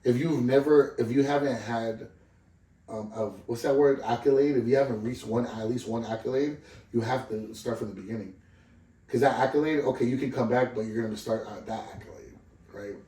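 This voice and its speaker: A man's voice: medium pitch, a little fast, warm tone, reverberant, recorded from a distance, rough recording. A man in his thirties from Southern California, a guest musician chatting casually, rambling and swearing freely with lots of "you know what I mean". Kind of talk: casual interview chat.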